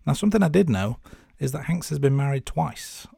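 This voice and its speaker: A man with a dark, mellow voice and a husky, creaky edge. He co-hosts a podcast, presenting scripted bits and chatting, in a dry close recording. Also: a little high, lively intonation, brisk, dry recording. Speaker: podcast co-host. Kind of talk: podcast presenting, part scripted narration, part casual chat.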